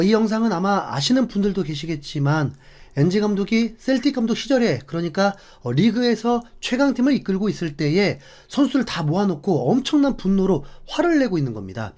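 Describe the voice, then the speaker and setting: A man hosting a football channel, narrating a scripted match commentary with many fillers. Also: sits high. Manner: animated, filler-heavy explanatory talk. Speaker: sports channel host.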